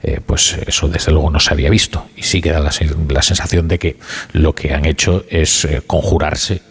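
A male radio host leading a live news discussion, measured and hesitant, often pausing with fillers. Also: rumbling low, steady tone, slightly rough.

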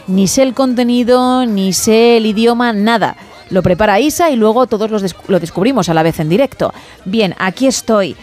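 A woman's voice: medium pitch, darkish tone. A woman hosting a radio show, chatting in a playful, teasing way the studio. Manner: playful teasing, quick laughs. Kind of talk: lively late-night radio chat.

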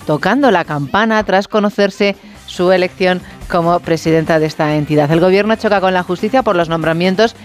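A female radio co-presenter, reading headlines briskly and chatting between them. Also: on the low side, soft background music. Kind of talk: press review reading.

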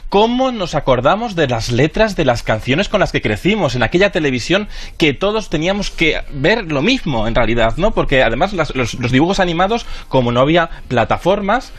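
A man's voice: fairly high pitch, sing-song, a little fast, a bit bright. A man chatting on a radio show. He explains with many restarts and asides. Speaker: radio television commentator. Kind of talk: lively radio chat. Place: radio studio.

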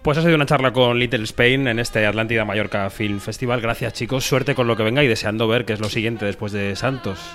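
A man interviewing a group of filmmakers in a relaxed, conversational way, often pausing to think aloud. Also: mid-range voice, soft background music. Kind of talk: festival interview chat.

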